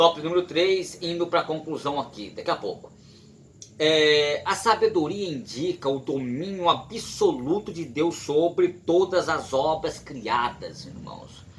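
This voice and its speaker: A man's high pitch at a fairly slow pace, with ordinary pitch variation. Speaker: Bible school teacher. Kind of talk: lecture. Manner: halting.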